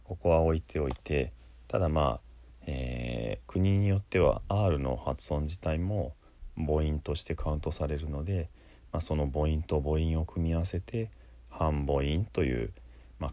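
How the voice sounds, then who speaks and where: A man giving a spoken pronunciation lesson, demonstrating each sound by repeating syllables, with frequent pauses. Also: extremely low pitch, dark tone. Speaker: pronunciation teacher.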